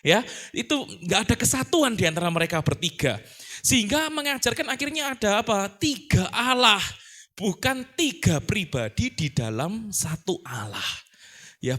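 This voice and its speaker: A male pastor preaching in a high, lively voice. He talks in a strongly animated way, often asking rhetorical questions and acting out short voices to make his point. His pitch swings widely from phrase to phrase. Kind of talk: sermon.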